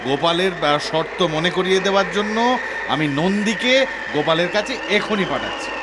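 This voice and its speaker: A man voicing an easygoing, gently scolding male god and husband in an animated comedy, with theatrical, drawn-out emphasis. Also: high voice, very noisy, natural voice. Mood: placating. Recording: loud background music.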